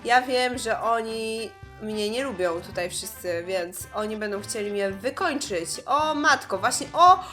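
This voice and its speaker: Bright, fairly high woman doing excitable gameplay commentary, exclaiming at every crash. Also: measured pace, hardly any pauses, soft background music. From Poland. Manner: exclaims and shouts at the game. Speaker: gameplay streamer.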